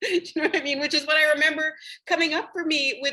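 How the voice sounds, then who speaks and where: Here a woman's voice is raised and projected. It has a bright, sharp tone. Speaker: actress, writer, ASMR artist. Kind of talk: interview answer. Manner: thoughtful, reflective, conversational.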